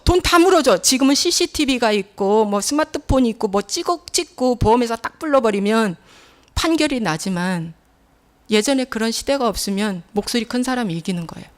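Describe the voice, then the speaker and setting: Casting: middle-aged woman pastor, fairly high voice, animated storytelling sermon in a church. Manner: emphatic storytelling preacher, acting out quoted scolding.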